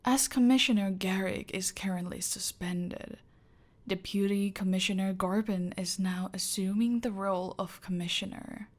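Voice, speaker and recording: A woman voicing a cold, controlling female cartel boss in an ASMR roleplay, giving slow, deliberate orders, often in a whisper. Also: mid-range voice.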